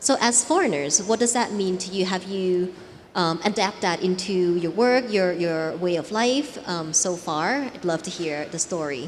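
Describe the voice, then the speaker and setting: Against noticeable background noise, a woman with a Thai accent talks fairly slowly at a medium pitch with lively intonation. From Thailand. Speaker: moderator. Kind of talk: panel moderation.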